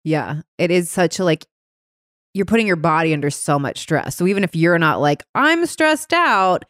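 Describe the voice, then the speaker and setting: A woman hosting a podcast interview, talking in a chatty, animated way with many filler words. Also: lowish voice, moderate pace, no room sound, clean studio sound. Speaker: podcast host. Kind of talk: casual conversational interview.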